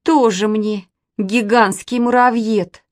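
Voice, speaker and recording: A woman playing touchy little girl Katya, shrill. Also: fairly even intonation, takes it slowly. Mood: scornful. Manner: shrill, offended shouting.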